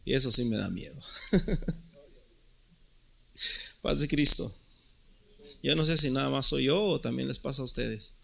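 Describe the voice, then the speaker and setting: A man's voice: mid-range voice, a little slow, vocal fry, long pauses, sharp tone, breathy edge. A man preaching a sermon as pastor, emphatic and often repeating words.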